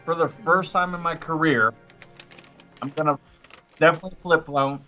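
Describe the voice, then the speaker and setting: A man playing a tabletop podcast game, chatting casually and thinking aloud in halting phrases, on a lo-fi recording. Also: a little high, fairly even intonation, pushed and bright, soft background music. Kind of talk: casual improvised role-play chat. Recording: slightly dull, lo-fi microphone sound.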